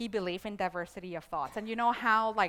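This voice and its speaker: Speaking very fast with a Thai accent, a woman sounds animated, her tone bright and sharp. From Thailand. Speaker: conference speaker, cloud solution architect. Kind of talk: conference talk. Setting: stage with audience.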